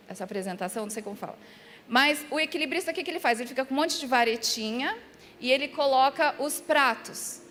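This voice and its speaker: A Brazilian woman pastor preaching a sermon and telling a personal story, animated and acting out the scenes and dialogue as she goes. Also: high voice, slight background noise. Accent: Brazilian Portuguese. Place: large church hall. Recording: music under a long hall reverb.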